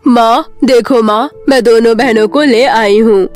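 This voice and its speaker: A woman voicing a calm, persuasive witch in a cartoon story, measured and coaxing. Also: a little high, soft background music, close to an everyday voice. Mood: eager. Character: calm, persuasive adult witch who shapeshifts from a cat.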